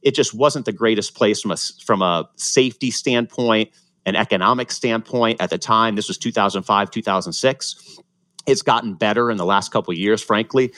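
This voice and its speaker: A man's voice: fairly low pitch, moderate pace, sharp tone, no room sound. A man, a former pro triathlete telling his story in a casual interview, earnest and reflective, often restarting his sentences. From Ohio, USA, born in Ecuador.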